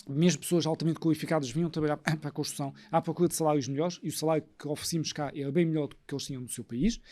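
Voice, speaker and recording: Male expert guest, European Portuguese accent, fairly high voice, rapid analytical delivery. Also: darkish tone. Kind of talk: fast analytical discussion.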